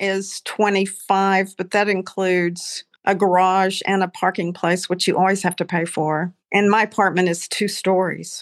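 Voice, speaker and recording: In an American accent, a woman talks at a fairly slow pace with monotone, flat intonation, and the sound is dry and close with no echo. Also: medium pitch for a woman. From Texas. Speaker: retiree living abroad. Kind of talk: casual interview chat.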